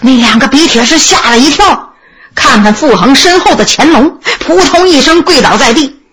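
A woman telling a traditional historical tale in an expressive oral storytelling style, acting out each character. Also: high voice, normal speed. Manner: expressive, swinging between voices.

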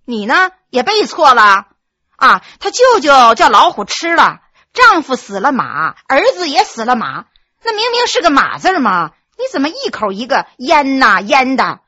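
A woman storyteller voicing a sharp-tongued young wife who scolds quickly and shrilly. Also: high-pitched, lively intonation, no echo, studio quality, heavily acted. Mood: scolding.

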